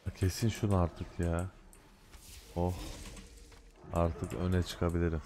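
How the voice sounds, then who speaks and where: Playing through a game himself, a working adult man hosts a gaming video, keeping up loose, slangy chatter and grumbling at the game in pretend annoyance. His low-pitched voice is a bit mellow, slow and flat in delivery, over slight background noise.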